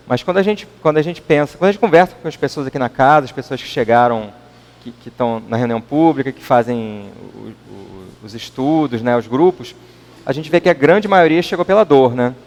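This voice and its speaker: A lecturer at a spiritist center gives an informal public talk in a meeting hall, speaking conversationally with a Brazilian accent and constantly adding questioning tags. His mid-range voice is expressive, brisk, and slightly mellow, with long hall reverb on the recording.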